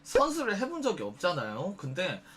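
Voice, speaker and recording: A man's voice: sits high, fairly quick, breathy edge. A young man telling a story to his viewers in a casual way, blunt and full of swearing. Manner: blunt, profane, animated storytelling. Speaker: streamer.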